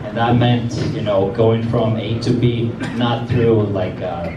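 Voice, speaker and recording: A man's voice: medium pitch, fairly even intonation, unhurried, heavy background noise. A man from Iceland, a travel creator, introducing himself on a panel with many fillers and restarts. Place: event hall panel. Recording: echoey hall from far off.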